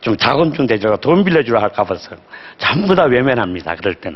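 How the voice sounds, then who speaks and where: With noticeable background noise present, a man's voice rises and falls in very wide pitch swings. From Gangwon Province, South Korea. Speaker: street food vendor. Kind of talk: lecture. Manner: plain, halting conversational.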